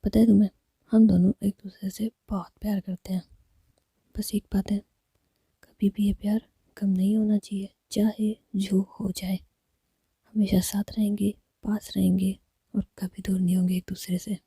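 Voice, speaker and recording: A woman whispering the lines of a shy, gentle young woman in love. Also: medium pitch, level tone, normal speed, creaky, husky, no echo. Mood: tender. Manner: whispered, soft, bashful.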